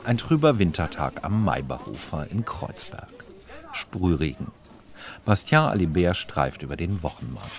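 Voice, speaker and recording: A man's voice: deep voice, big pitch swings, normal speed. A man narrates a scripted radio feature as a reporter, in short descriptive sentences.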